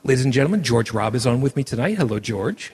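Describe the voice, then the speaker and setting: A man's voice: mid-range voice, lively intonation, fast talker, darkish tone, husky. A man hosting a podcast in a casual chat, rambling with many restarts. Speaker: podcast host. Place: virtual world broadcast. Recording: echoey, washed-out room sound.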